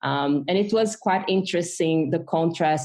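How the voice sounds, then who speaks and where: A woman with a Brazilian accent speaks at a moderate pace. Her tone is dark and mellow. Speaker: startup program manager. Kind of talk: podcast interview.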